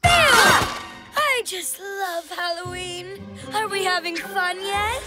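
A woman's voice: extremely high pitch, slow pace, over loud music. A woman voicing a smug, taunting young boy ninja villain in a children's cartoon, with gloating, theatrical delivery. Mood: gleeful taunting. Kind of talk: animated children's cartoon acting.

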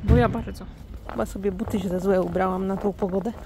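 A woman's voice: medium pitch, fairly even intonation, fairly quick. A woman in her thirties from Poland, chatting casually and playfully into a phone held at arm's length while she walks outside under an umbrella. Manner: chatty, playful, self-ironic. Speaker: vlogger. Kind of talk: casual vlog chat. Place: snowy city streets outdoors, under an umbrella. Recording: faint street noise and passing cars.

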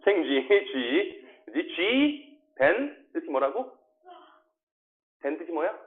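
A male teacher running a classroom English lesson, drilling pronunciation and asking quick check questions. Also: a little high, sing-song. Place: small classroom. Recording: tinny phone-like classroom recording.

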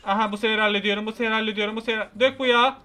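A young man giving excitable, frustrated gameplay commentary, shouting at the characters on screen. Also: high voice, racing. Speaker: gaming YouTuber.

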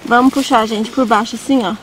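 A woman's voice: on the high side, steady tone, brisk, background noise. A young Brazilian woman chatting casually to her viewers while walking through her vegetable garden and pointing things out. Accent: Brazilian Portuguese. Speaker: vlogger. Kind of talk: casual vlog chat to viewers. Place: outdoors in a vegetable garden on a farm.

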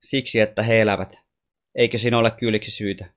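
A man voicing a wise, gentle alien boy who teaches calmly and patiently. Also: lowish voice, close to an everyday voice. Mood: gently teaching.

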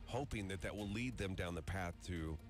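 A man's voice: sits low, moderate pace. A man in his thirties hosting a radio show with casual game-show chat, close on a studio mic. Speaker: radio morning show host. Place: small foam-padded radio studio. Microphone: close studio condenser mic. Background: music bed.

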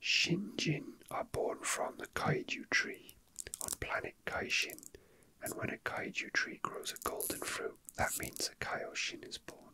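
A man hosts ASMR in a soft whisper with a very bright, airy edge. He rambles casually and hesitantly, as if thinking aloud to himself. The delivery is breathy and close-up throughout. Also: measured pace, low-quality recording. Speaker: ASMR host.

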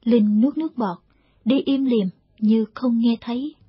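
Husky woman reading a novel aloud. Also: a little high, no echo. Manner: steady, measured storytelling read. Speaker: audiobook narrator. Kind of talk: scripted narration of a war novel. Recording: dull lo-fi audiobook recording.

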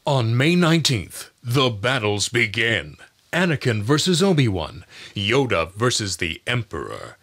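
A young man voicing a grand, dramatic movie trailer announcer with drawn-out, theatrical promo delivery. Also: medium pitch, big pitch swings, fairly bright tone, exaggerated voice. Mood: dramatic, hyped. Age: young adult. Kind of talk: announcer impression, trailer voice-over.

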